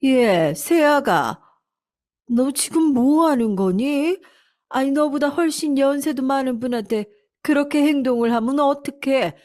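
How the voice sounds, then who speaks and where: A woman's voice: sits high, lively intonation, unhurried, darkish tone, pitched above the performer's own voice. A woman playing a stern scolding mother-in-law. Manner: firm, scolding.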